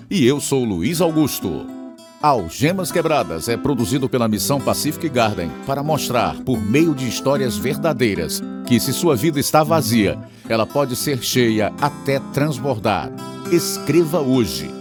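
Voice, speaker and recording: A man with a Brazilian accent reading scripted evangelistic radio narration as an announcer, earnestly addressing listeners. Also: mid-range voice. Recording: guitar music behind the voice.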